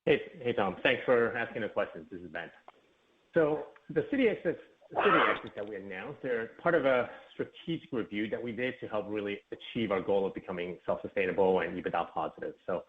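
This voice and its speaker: A man's voice: fairly low pitch, expressive, a little fast, slight background noise. A male company executive answering an analyst's question on an earnings call over a narrow phone line.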